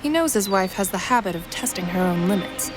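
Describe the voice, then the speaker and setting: A woman's voice: medium pitch, expressive, fairly quick. A woman reading scripted present-tense story narration for an action fiction podcast. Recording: prominent music bed under narration.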